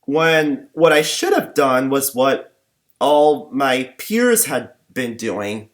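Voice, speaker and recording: A young man rambling in a personal vlog, talking in a flat monotone with many fillers and false starts. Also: mid-range voice, slow. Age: young adult. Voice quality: limited, flat range. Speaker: vlogger.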